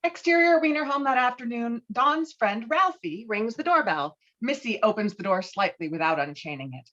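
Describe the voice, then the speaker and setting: A woman's voice: a little high, expressive, normal speed, fairly bright tone. A woman reading scripted stage directions and scene headings for a table read over a video call. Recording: dull, lo-fi online call audio.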